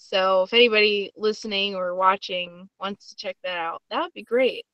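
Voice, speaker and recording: A woman's voice: medium pitch, moderate pace, a bit bright, smooth, dry recording. A woman guest-hosting a podcast, chatting casually and self-deprecatingly, on a slightly lo-fi recording. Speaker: guest host, writer and podcaster. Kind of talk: casual chat.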